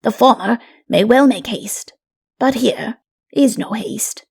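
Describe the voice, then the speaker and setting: Solemn old father figure read by a woman, fantasy audiobook: patient, assured, mellow and gravelly. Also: fairly high pitch, full character voice. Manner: grave, measured, assured pronouncements.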